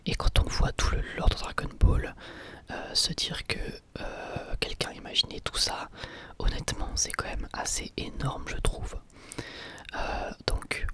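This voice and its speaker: A man hosting a whispered ASMR video, calmly answering viewer questions in a thoughtful, explanatory way. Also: extremely high pitch. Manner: soft-spoken, thoughtful and explanatory. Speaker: ASMR channel host.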